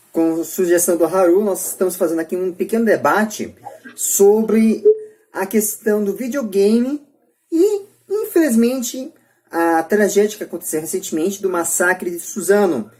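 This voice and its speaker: A woman's voice: mid-range voice, lively intonation, a little slow, warm tone. A Brazilian woman hosting a podcast debate, speaking in an emphatic, repetitive, opinionated way. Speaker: podcast host.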